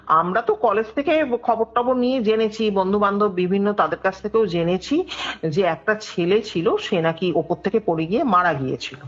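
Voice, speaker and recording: A slightly rough, mid-range voice at a normal speed belongs to a guest telling a ghost story. She's animated and conversational, dramatizing the dialogue, over a lo-fi, dull-sounding call with background music.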